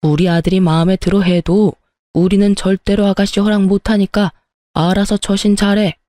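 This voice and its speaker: A woman's voice: medium pitch, level tone, normal speed, warm tone, no echo, clean studio sound, close to an everyday voice. A woman voicing a stern, angry older father-in-law who scolds bluntly. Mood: scolding.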